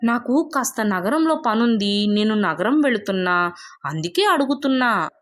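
A woman's voice: medium pitch, lively intonation, measured pace, natural voice. Lady doing a crafty village guy from a kids moral story, breezy and scheming. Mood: casually demanding. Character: crafty male villager, breezily exploiting his neighbour.

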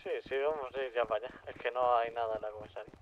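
A man's voice: medium pitch, fairly even intonation, very fast. A man talking casually to his teammates over voice chat in a video game. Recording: dull, noisy game voice chat.

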